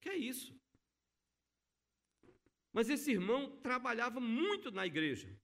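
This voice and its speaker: A middle-aged man preaches a sermon in a church. His voice sits high and leaps around with lively, expressive swings. He tells stories with emphasis and acts out the people he quotes. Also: unhurried. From Brazil. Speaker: pastor. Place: church sanctuary.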